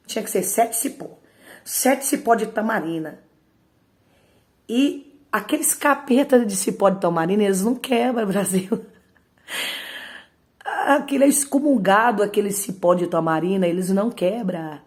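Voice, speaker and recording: A woman giving an emotional spoken testimony and speaking straight to her audience. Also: medium pitch. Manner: emotional, repeatedly addresses the audience directly.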